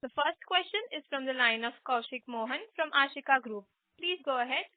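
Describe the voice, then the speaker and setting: A woman's voice: high voice, fairly quick, dry recording. A woman moderating a conference call as operator, formal and polite, with scripted phrasing. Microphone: telephone conference line. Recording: dry tinny phone line.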